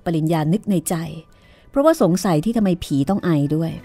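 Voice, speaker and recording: A woman podcast host narrating a horror novel in a measured storytelling manner. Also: mid-range voice, sing-song, mellow, soft background music.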